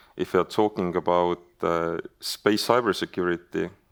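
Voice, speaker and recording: A man with an Estonian accent and a very deep, low pitch, on a very clean recording with a silent background. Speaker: panel moderator. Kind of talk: conference panel moderation. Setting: conference stage with audience. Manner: halting, many fillers.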